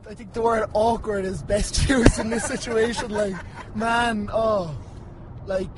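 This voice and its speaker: A high-voiced man talks slowly and haltingly as a podcast guest. His chat is casual. The recording is full of loud noise. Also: fairly even intonation. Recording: very noisy, off-mic at times.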